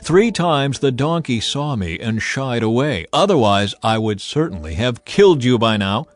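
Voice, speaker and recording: A man's voice: medium pitch, sing-song, normal speed, natural voice. A man voicing a stern angel with a grave, commanding manner in a dramatized scripture reading. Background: background music.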